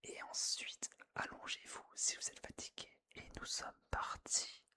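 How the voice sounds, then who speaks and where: A person whispering breathily and closely into the listener's ear, narrating gameplay in a soothing ASMR style and softly repeating phrases. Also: unhurried. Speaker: gaming ASMR video creator.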